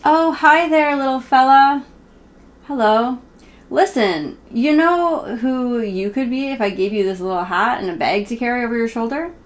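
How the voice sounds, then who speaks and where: A woman's voice: on the high side, normal speed, close to an everyday voice. A woman reading the part of a friendly, patient grown-up man in a children's storybook, coaxing and explaining.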